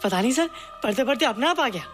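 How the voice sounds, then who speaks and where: An actor playing a gentle, childlike young man who talks earnestly and politely, keeps saying sir, in a film scene. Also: very high voice, animated, fast talker. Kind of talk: film dialogue. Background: film music.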